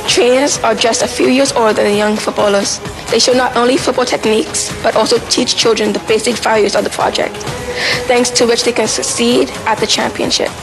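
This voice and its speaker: A woman's voice: fairly high pitch, steady tone, fairly quick, over music, low-quality recording. A woman from Bermuda presenting a short news segment in a careful, recited delivery. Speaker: youth reporter.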